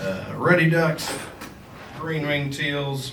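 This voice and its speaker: A man talks at a fairly slow pace, with noticeable background noise and audible room echo around him. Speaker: wildlife biologist giving a public talk. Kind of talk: educational presentation. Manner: loud; hesitant, many fillers.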